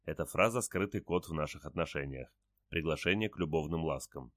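A man reading a first-person story aloud in a calm, terse manner with short clipped sentences. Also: very deep voice, a little fast, no echo, studio quality. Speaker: audiobook narrator.

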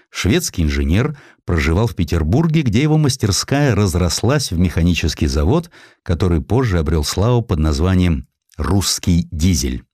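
Deep-voiced man narrating history with lively intonation. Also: no room sound, studio quality. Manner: theatrical storytelling, addresses the listener. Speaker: audiobook narrator. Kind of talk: dramatized scripted narration of historical sketches.

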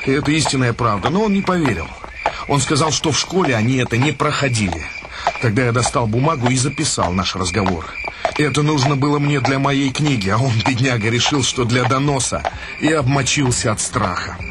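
A man plays a meek, uneasy commoner with a bitter streak in a radio play. His voice is mid-pitched, on an old recording thick with noise. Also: lively intonation, fairly quick, lightly acted. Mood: sombre, confiding. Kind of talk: radio drama monologue and dialogue.

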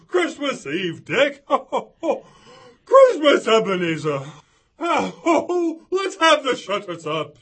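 A woman voicing a jolly, fat old male merchant who booms and laughs between his words. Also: big pitch swings, drawn-out words, slightly rough, heavily acted. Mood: jovial. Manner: booming and laughing between phrases. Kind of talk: storybook reading.

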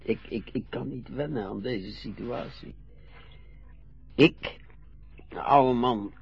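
A muffled old radio-play recording of an old retired sea captain. He is proud yet fragile, with a gravelly creak and a slow, halting, folksy delivery that repeats words. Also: mid-range voice, heavily acted. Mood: wounded, tearful. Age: older. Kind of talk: naturalistic Dutch radio play acting.

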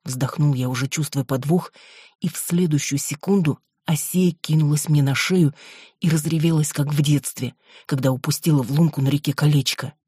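Mellow, husky male audiobook narrator. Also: fairly high pitch, fairly even intonation, normal speed, no echo, clean studio sound. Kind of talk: first-person audiobook narration.

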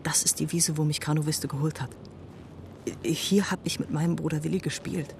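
An actor in a radio drama playing an uneasy young white boy living among Comanches, speaking hesitantly and often quietly. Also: medium pitch, steady tone, a little fast, creaky, a little hiss or hum, natural voice. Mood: hushed, nervous. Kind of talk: German radio drama dialogue and first-person narration. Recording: music under the voice. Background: music.

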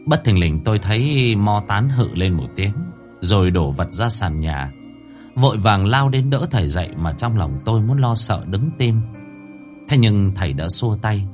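A male storyteller with a low voice reads a horror tale dramatically, his pitch swinging widely to build suspense. Faint music plays underneath. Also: expressive, normal speed, darkish tone. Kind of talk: scripted horror story narration.

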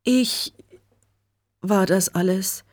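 A woman voicing a guilty young man who confesses in a quiet, halting voice. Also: medium pitch. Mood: ashamed.

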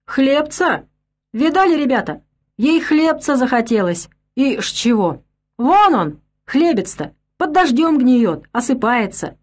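A woman reading an audiobook, voicing a coarse, bitter, drunk male peasant laborer with rough country speech. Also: high-pitched, sing-song, a little slow, voice pushed up, heavily acted.

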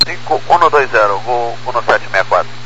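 Brazilian pilot talking over the radio. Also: male voice, medium pitch, expressive, moderate pace, sharp tone. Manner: clipped, routine radio phraseology. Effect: pilot speaking over aircraft radio. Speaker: airline pilot. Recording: muffled radio transmission with static.

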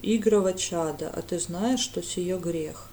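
A woman voicing a gloomy, reserved male priest who speaks coldly and evenly in a lowered voice. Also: darkish tone. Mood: weary. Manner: cold, measured, low-voiced.

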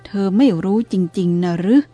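Casting: woman reading a calm old male abbot, warm breathy voice, dry teasing. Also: lowish voice, normal speed, faint music behind, close to an everyday voice. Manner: steady, even-toned, dry teasing.

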